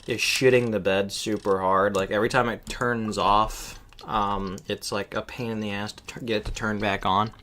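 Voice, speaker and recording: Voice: deep voice, little pitch movement, moderate pace, few pauses, a bit bright, a little hiss or hum. A game streamer chatting casually with viewers in an informal, rambling, sweary way. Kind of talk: casual livestream chat over a game.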